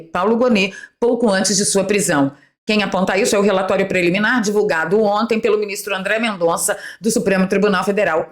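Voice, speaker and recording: A woman in her fifties with a Brazilian Portuguese accent hosts an opinion commentary vlog, sarcastic and indignant, speaking straight to her viewers. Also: medium pitch. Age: 50s. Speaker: political commentary host.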